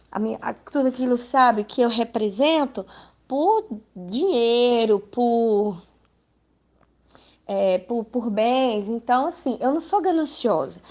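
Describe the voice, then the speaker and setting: A woman with a Brazilian Portuguese accent giving an informal Christian teaching to women, talking conversationally and asking her listeners rhetorical questions. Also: a little high. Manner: conversational, asks rhetorical questions, frequent tag questions. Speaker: women's ministry speaker.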